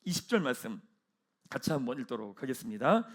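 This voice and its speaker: A man preaching a Sunday sermon as pastor, swinging between loud proclamations and hushed, low asides. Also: sing-song, brisk, slightly rough. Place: church sanctuary.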